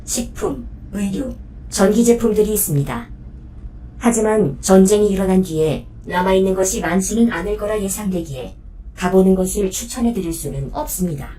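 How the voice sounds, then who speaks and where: Casting: protective android companion woman performer, audio drama. Dark, relaxed tone, mid pitch, courteous, measured and factual. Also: a little hiss or hum, close to an everyday voice, rough recording. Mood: informative. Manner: formal, measured, matter-of-fact. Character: polite, protective, logical female robot companion. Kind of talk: Korean audio drama acting.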